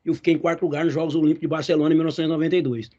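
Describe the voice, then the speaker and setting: A talkative Brazilian man in his fifties interviews a guest, calling himself a loudmouth. His voice is high and husky. The recording sounds dull and lo-fi. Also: flat delivery, rapid-fire. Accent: Brazilian Portuguese. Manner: talkative, self-described loudmouth. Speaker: interviewer, former Olympian. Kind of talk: interview questions.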